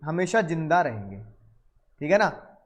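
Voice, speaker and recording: High-pitched guy lecturing law, keeps asking the class questions, acts out little scenes. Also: big pitch swings, unhurried. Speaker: law teacher.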